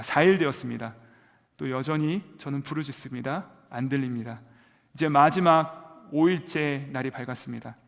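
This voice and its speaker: Storytelling pastor with a high voice in a reverberant church. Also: male voice. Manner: storytelling, acting out his own prayers and quotes; swings from soft low asides to loud cries. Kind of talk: testimony sermon. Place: church sanctuary. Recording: long hall reverb.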